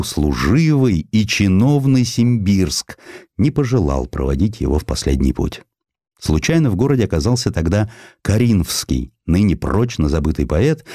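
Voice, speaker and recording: A man narrating a literary audiobook in a measured, expressive, dramatic storytelling manner. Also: deep voice, dry recording, studio quality.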